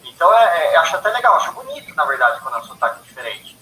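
A man's voice: fairly high pitch, big pitch swings, rapid-fire, bright, forceful tone. A man chatting casually on a video call, rambling and repeating himself. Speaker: live stream participant, musician. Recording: echoey distant mic with faint noise.

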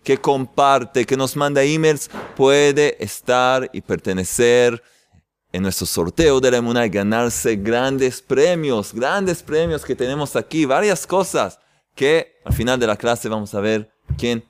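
A man's voice: medium pitch, a little slow, clear, resonant tone, dry recording. A man hosting an online faith workshop, teaching in a playful, joking way and greeting his viewers. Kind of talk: jokey faith lesson to an online audience.

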